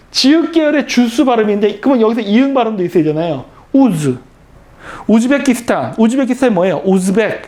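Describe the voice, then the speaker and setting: Lively lecturing man. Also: sits high. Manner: rhetorical questions answered himself; explanatory, emphatic. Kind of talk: history lecture.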